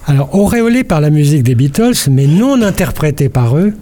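A man's voice: fairly high pitch, very animated, a little fast, mellow. An older man from France giving a local radio culture column, telling an anecdote in a playful, storytelling way and quizzing the host. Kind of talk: radio chronicle, partly read.

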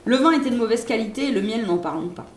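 Woman doing a scolding old nurse, superstitious, fussy, forceful, storybook reading in a roomy space. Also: a little high, animated, quick pace, slight background noise, lightly acted. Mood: grumbling. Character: fearful, superstitious older female nurse.

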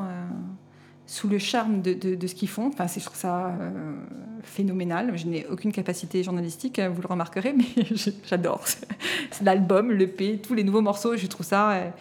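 A woman's voice: mid-range voice, darkish tone, slight background noise. Hesitant woman in her late thirties. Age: 30s. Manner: hesitant, many fillers, laughs easily. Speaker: DJ guest presenting music. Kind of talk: casual radio chat.

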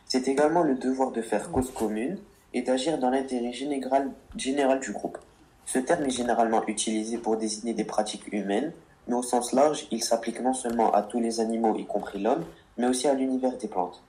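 A man's voice: medium pitch, a little fast, dark tone. A man co-hosting a radio show about words, reading earnest explanations and answering teasing with mock exasperation. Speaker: co-host of a word radio show.

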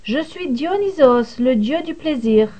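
A woman voicing a bearded, horned male god who threatens and commands, speaking slowly. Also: high-pitched, expressive, mellow. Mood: menacing. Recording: dull lo-fi recording.

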